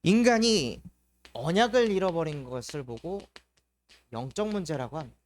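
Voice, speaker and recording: Lively, animated junior pastor preaching. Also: mid-range voice, normal speed. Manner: explains step by step with rhetorical questions; acts out complaining inner thoughts in quotes. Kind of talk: sermon at an evangelism school.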